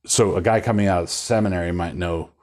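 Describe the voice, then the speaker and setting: An older man, a pastor, talking in a relaxed studio interview, wandering through his points with restarts and a wry chuckle, on a lapel mic. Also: sits low, fairly quick. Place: studio set with bookshelves.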